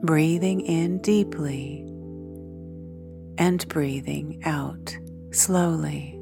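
Speaking in short, calm, measured phrases with lengthy gaps, a slightly low-voiced woman leads a meditation at a very slow pace. Singing bowl tones sound through the clear music accompanying her.

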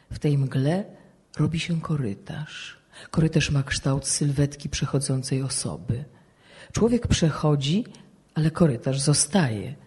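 A woman reading a literary excerpt aloud to an audience in a measured, deliberate way. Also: extremely low pitch, dark tone, husky. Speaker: guest reader.

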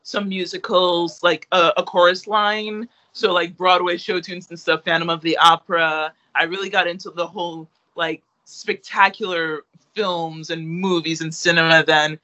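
Young male interviewee, high and bright, rambling casual talk, slightly muffled audio. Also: flat delivery, moderate pace, hardly any pauses. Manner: rambling, lots of fillers and restarts, laughs easily. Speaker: interviewee, artist.

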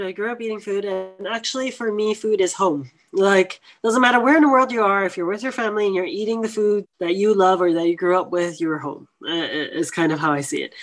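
A woman, a guest in a conversational interview, telling stories animatedly and acting out the voices of others. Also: mid-range voice. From New York. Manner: animated storytelling, acts out quoted voices.

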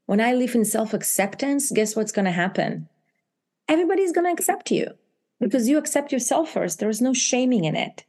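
Animated Israeli-accented woman author, mellow voice. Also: brisk. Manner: animated, laughs often, shifts to high pitch for emphasis. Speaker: author guest. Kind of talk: interview chat.

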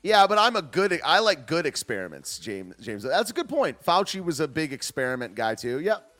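Faint music plays behind a man hosting a casual stream, his slightly high voice swinging widely in pitch at a moderate pace, bright and forceful. He riffs on clips and chat messages in a joking, meandering way that keeps trailing off and restarting.

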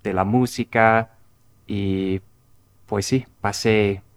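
A middle-aged man from Minnesota with an American accent, speaking Spanish as a learner in a relaxed, thoughtful way. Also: on the low side, clear, resonant tone. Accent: American English. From Minnesota, United States. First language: English. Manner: unhurried, thoughtful, restarts words. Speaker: guest. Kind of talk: casual conversation.

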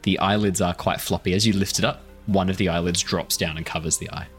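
A man's voice: low-pitched, steady tone, fast, soft background music. A man acting as game master, giving vivid descriptive narration mixed with casual chat.

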